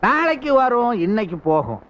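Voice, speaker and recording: A man's voice: very high voice, wildly swooping pitch, normal speed, fairly bright tone, exaggerated voice. An actor playing a man who hands out lofty, sermonizing advice in a sing-song way in a film comedy. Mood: preachy. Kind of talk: 1990s film comedy acting. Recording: dull film soundtrack with music.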